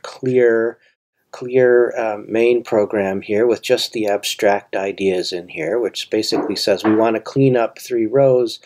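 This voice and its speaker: Slow, thinking-aloud male coding tutor. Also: on the low side, darkish tone. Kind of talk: screen-recorded coding walkthrough.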